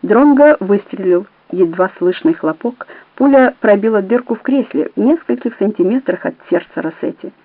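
A woman reading an audiobook in a measured, even narrating voice. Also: medium pitch, no room sound. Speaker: audiobook reader. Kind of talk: scripted narration. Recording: dry, tinny phone-like audio.

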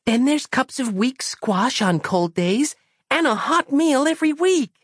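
A man reading an audiobook and voicing a small, naive girl who speaks in a high, piping, sing-song way. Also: measured pace, fairly bright tone, breathy edge, no room sound, clean studio sound, heavily acted. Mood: naive, earnest. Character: small wise-sounding girl, naive and cheerful.

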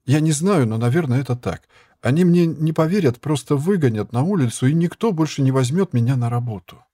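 A man's voice: medium pitch, lively intonation, brisk, warm tone, no room sound, voice pushed up, close to an everyday voice. A man voicing a frail, timid young girl who pleads in a raised voice, in an audiobook reading. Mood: pleading.

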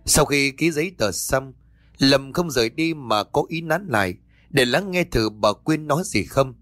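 A man calmly narrating a ghost story in a steady, measured way. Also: mid-range voice, no echo. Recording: dry voice over faint music.

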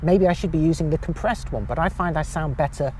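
A man with a high-pitched voice, chatting casually as a podcast guest with a self-mocking humor. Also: quick pace, darkish tone, slight background noise. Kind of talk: casual chat.

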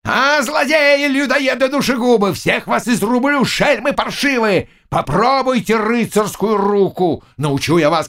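A man's voice: extremely high pitch, a bit bright, pitched above the performer's own voice, exaggerated voice. A man voicing a boastful old nobleman who bellows curses and threats in a rage. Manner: bellowing, cursing, mocking.

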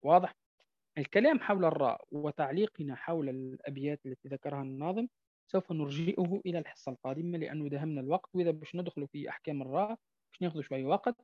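A man's voice: on the high side, dry recording. Man teaching recitation. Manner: stretches out example words slowly, often checks "clear?". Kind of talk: tajweed lesson. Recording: dull, dry lo-fi recording.

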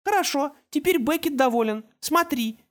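A man voicing a cheerful, simple toddler boy in a high childish voice for an audiobook. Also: animated, normal speed, fairly bright tone. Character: small boy, dim and cheerful toddler twin.

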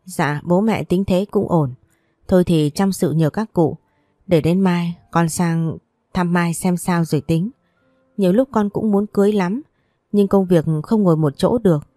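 A woman's voice: fairly low pitch, a little slow, warm tone, dry recording, studio quality. Woman voicing a loyal, easygoing young man. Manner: teasing, respectful to parents.

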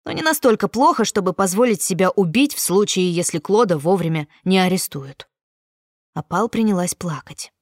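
A woman's voice: lowish voice, animated, normal speed, no room sound. A woman narrating a novel in the first person as an audiobook reader, close to the mic.

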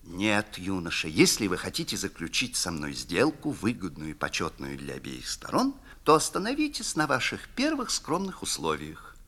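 A scheming devil in a lawyer's guise, put on by a man reading the tale aloud purrs his offers and slips into conspiratorial whispers. The voice leaps wildly up and down with a bright, forceful edge. Stagey classic storytelling in the manner of a theatrical reading. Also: low-pitched, huge pitch swings, normal speed, hardly any pauses, voice pushed down, exaggerated voice. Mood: sly, persuasive. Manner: insinuating, dropping to sly whispers. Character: sly scheming male devil posing as a lawyer.

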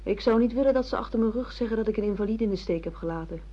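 An actress plays a woman secretary who is secretly the mistress, frank and lecturing. Her voice is dark and mellow with a husky grain. It is radio play acting, heard through a muffled, lo-fi recording. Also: a little high, rapid-fire, lightly acted. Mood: chiding. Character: self-assured secretary and secret mistress, scolding her amnesiac boss.

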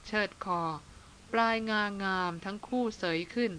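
A woman narrating a novel aloud in a steady, measured storytelling manner. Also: mid-range voice, a little hiss or hum. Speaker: audiobook narrator. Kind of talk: dramatic novel reading.

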